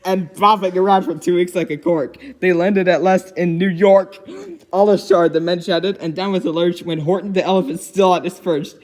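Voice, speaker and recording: Man doing a high-voiced giggly little girl storyteller. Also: normal speed, lightly acted. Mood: storytelling. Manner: giggly, expressive. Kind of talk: dramatic storybook reading with giggly asides.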